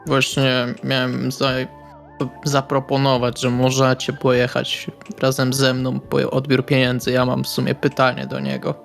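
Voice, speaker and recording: A man's voice: mid-range voice, monotone, moderate pace, gravelly, a bit bright. A man playing a tabletop role-playing game, casually speaking in character and describing his actions. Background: music.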